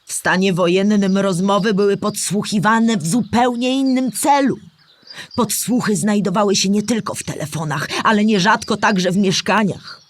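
A woman's voice: mid-range voice, normal speed, natural voice. Actress as patient female history storyteller. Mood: patient, informative. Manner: clear, patient, explanatory storytelling. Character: Historyjka, older female storyteller who remembers wartime. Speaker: narrator explaining history to children. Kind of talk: scripted educational audio drama narration.

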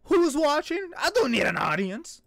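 High-pitched, animated young man reacting. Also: normal speed, creaky, no room sound, studio quality. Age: young adult. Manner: playful, joking, exclamatory. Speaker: reaction video host. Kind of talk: casual reaction commentary. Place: small indoor room.

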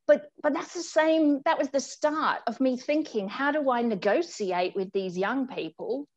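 A woman's voice: on the high side, lo-fi sound. A middle-aged woman from Australia, a communications executive, speaking earnestly as a guest on a video call interview from home. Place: home room indoors.

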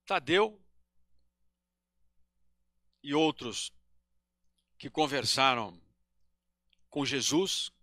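A man in his sixties from Brazil gives a devotional lecture at a podium in a small hall, talking slowly and haltingly with pauses and self-corrections into a handheld microphone. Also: medium pitch, animated, sharp tone, studio quality. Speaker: spiritist lecturer.

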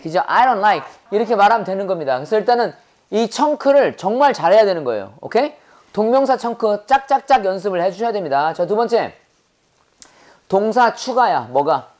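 A woman teaching an English grammar class with a Korean accent, quizzing students with constant questions and saying English phrases slowly for them to repeat. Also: medium pitch.

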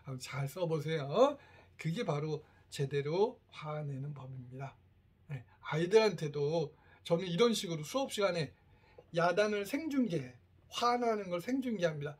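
Casting: husky middle-aged male teacher, a bit high-voiced, storytelling lecture to parents. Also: normal speed. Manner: lively storytelling, acts out quoted family lines. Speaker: teacher giving a parent workshop. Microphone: lecture recording, in front of a camera.

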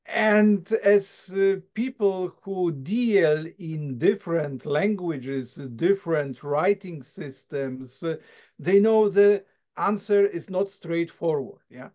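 A man from southern Poland, giving an academic lecture over a video call. He talks in a halting, thoughtful way, with many filler sounds and tag questions. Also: high voice, a little mellow. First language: Silesian. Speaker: guest lecturer. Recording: dull lo-fi video call audio.

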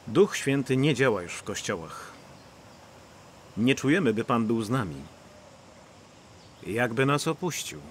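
A man's voice: medium pitch, sing-song, measured pace, long pauses, a little hiss or hum. A middle-aged man dubbing the role of an anxious pastor in a film. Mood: troubled. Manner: anxious, troubled.

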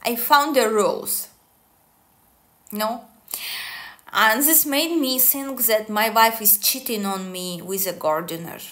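A woman, talking casually to the camera in deliberate, halting English. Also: medium pitch, a bit bright. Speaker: online esoteric coach. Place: small indoor room, seated at a table.

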